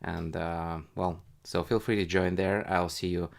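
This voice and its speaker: A man hosting a casual live stream as a retail investor, thinking aloud in a halting, hesitant way. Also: sits low, level tone, vocal fry. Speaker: livestream host, retail investor.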